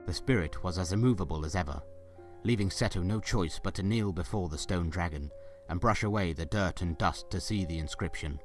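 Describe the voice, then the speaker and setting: A man's voice: deep voice, fairly quick, soft background music. A man narrating a scripted audio drama as a storyteller, with dramatic delivery.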